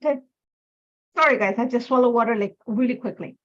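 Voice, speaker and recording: A woman's voice: a little high, a little fast, lo-fi sound. A woman from Ecuador whose first language is Spanish, speaking English with an Ecuadorian Spanish accent as she hosts a live crafting demo from home, chatty and rambling with many "like, you know" fillers. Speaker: design team member hosting a live crafting demo. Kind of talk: casual live-stream chat.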